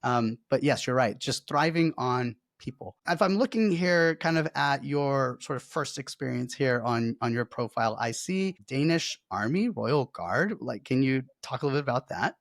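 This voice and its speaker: A man's voice: medium pitch, expressive, normal speed, hardly any pauses, no echo, studio quality. A man hosting a podcast and interviewing a guest in a conversational style. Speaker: podcast host.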